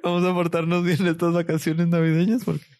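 A man's voice: on the high side, monotone, brisk, darkish tone, no room sound. A man with a Mexican accent, co-hosting a podcast in a casual chat among friends, joking and laughing often. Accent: Mexican Spanish. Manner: jokey, laughs often, playful. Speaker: podcast co-host.

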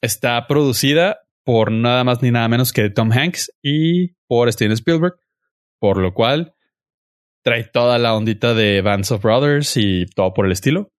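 A young Mexican man with a Mexican Spanish accent hosts a podcast, casually reviewing a series in a slangy, opinionated way and firmly holding his ground. His voice is mid-range and a little slow. The podcast mic captures it dry and close, with no room sound.

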